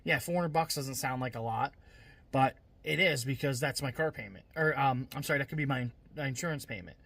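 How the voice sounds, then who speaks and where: A man's voice: mid-range voice, brisk, vocal fry, fairly bright tone, no echo. A man talking casually on his vlog, blunt and venting, swearing freely and restarting his sentences often. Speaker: scrap-metal vlogger. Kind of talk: casual rambling vlog talk.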